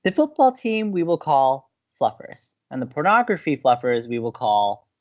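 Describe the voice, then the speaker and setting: Slightly dull, lo-fi audio carries a man acting an upbeat male college radio host in a romantic comedy drama. His delivery is lively and melodic, with a breezy, teasing playfulness. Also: mid-range voice, moderate pace, close to an everyday voice. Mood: mock-serious.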